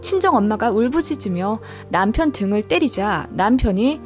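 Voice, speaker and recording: A woman's voice: mid-range voice, expressive, normal speed. Woman narrating a story over music. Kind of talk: scripted narration of a true story.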